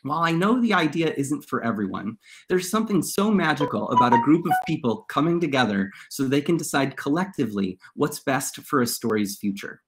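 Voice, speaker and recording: Man moderating a panel, measured mid pitch. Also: sing-song, noisy background. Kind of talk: reading scripted introductions, moderating a panel.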